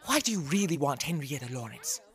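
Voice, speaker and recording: A woman's voice: low-pitched, big pitch swings, brisk, breathy edge, full character voice. A woman playing a sly, mercenary confidant in a radio noir parody, insinuating and conspiratorial. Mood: sly, probing. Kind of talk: old-time radio noir parody acting.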